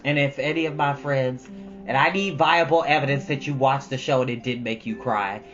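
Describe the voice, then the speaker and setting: A male host chats informally with his viewers in a folksy, emphatic manner, repeating phrases to drive his point home. His voice sits at a medium pitch. The audio is a little dull and lo-fi, with plucked guitar music clearly playing behind him. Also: moderate pace, fairly bright tone. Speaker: storytime stream host. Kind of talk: casual chat to live viewers.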